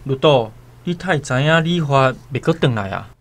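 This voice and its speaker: A Taiwanese-accented actor playing an eager tribal companion who urges action in a radio drama. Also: male voice, medium pitch, lively intonation, normal speed, faint music behind, natural voice. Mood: puzzled, urgent.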